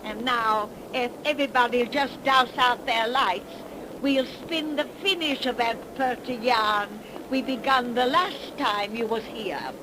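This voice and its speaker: A woman voicing an old cackling witch who tells tales in a slow folksy dialect drawl, in 1930s radio drama style. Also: fairly high pitch, natural voice. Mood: eerie folksy. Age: older. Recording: noisy 1930s radio recording.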